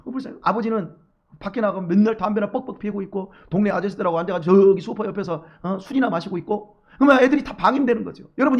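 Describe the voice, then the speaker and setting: A middle-aged man delivers a morning sermon in a high, quick voice that races through his points. He asks his listeners question after question and swings from hushed asides to forceful calls. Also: lo-fi sound. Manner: emphatic, swings from hushed asides to loud exhortation; addresses the congregation directly, rhetorical questions. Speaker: pastor.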